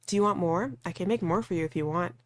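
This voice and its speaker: A gentle male automaton from a visual novel, voiced by a woman, doting and persistent. He fusses over his guest with solicitous questions in a soft manner. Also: fairly low pitch, fast talker, natural voice. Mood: caring, fussing.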